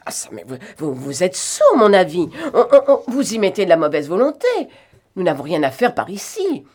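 Commanding English detective, clipped and stern, read by a woman narrator, a little low-voiced. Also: big pitch swings, measured pace, exaggerated voice. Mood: angry. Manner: clipped, commanding, turns sharp and shouting when alarmed. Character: proud shrewd English detective, middle-aged man.

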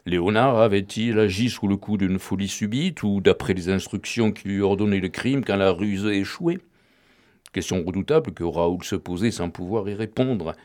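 A man narrating a novel aloud in a measured, dramatic manner. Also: low voice, a little mellow. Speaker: audiobook reader. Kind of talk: literary audiobook narration.

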